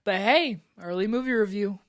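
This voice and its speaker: With a stuffy, congested voice from allergies, a woman gives a casual movie review, rambling chattily and using "like" a lot. Her pitch is medium and her pace moderate.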